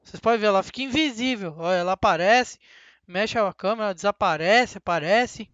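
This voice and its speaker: A young man with a Brazilian Portuguese accent giving chatty, excitable commentary on a driving game straight to his viewers. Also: high voice, moderate pace, no echo, lo-fi sound. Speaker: gaming channel host. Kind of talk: casual gameplay commentary.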